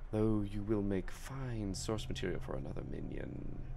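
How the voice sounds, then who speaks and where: A breathy put-on character voice moves at a moderate pace over clear background noise. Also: man, fairly low pitch for a man. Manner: menacing.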